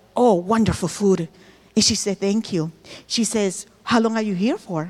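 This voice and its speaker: In a Puerto Rican accent, a woman speaks at medium pitch. Her pace is moderate and her intonation fairly even. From Puerto Rico. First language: Spanish. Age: 50s. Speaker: church member sharing testimony. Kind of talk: testimony. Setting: church with congregation.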